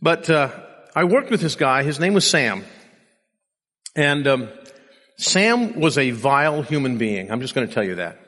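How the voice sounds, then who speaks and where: A man's voice: mid-range voice, expressive, a little slow, pauses often, pushed and bright, big-room sound. A man preaching a sermon and telling personal stories with self-deprecating humor, saying he is sleep deprived. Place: church.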